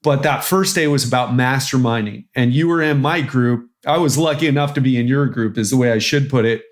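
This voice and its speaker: A man's voice: medium pitch, fairly quick. A man hosting a podcast, introducing his guest in an upbeat, enthusiastic way. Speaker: podcast host. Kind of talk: podcast interview.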